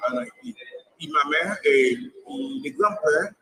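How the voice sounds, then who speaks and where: A man from Cuba, answering interview questions in a halting way, often repeating his words. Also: on the high side, low-quality recording. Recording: crowd chatter behind.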